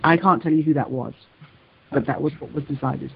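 Measured British woman on a lo-fi call. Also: sits low, gravelly, a little hiss or hum. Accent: British English. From United Kingdom. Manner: measured, hesitant, many restarts and fillers. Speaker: guest professor. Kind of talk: thoughtful interview answers.

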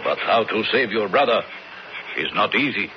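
A man's voice: on the low side, animated, normal speed, close to an everyday voice. An actor playing a wary, devout Native American man in a radio drama, speaking solemn, formal broken English. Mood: solemn, grave. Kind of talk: 1970s radio drama acting. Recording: muffled noisy old radio broadcast.

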